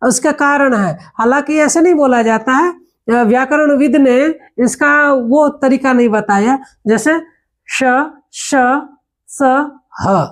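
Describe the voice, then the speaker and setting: This Hindi grammar lesson comes from a woman with a fairly high voice who explains things patiently. She leans on rhetorical questions and everyday examples, and she pronounces each letter slowly and deliberately as she lists them.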